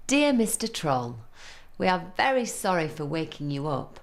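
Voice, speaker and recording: A woman's voice: fairly low pitch, sing-song, normal speed, creaky. A woman voicing a kindly mother goat from a children's storybook, politely reciting her written notes. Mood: polite, apologetic.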